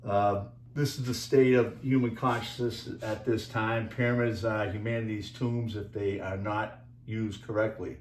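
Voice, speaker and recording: A man with a Boston accent rambling through a casual monologue, halting often with fillers as he talks over slides. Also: lowish voice, steady tone, echoey room, slight background noise. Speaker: video creator and author.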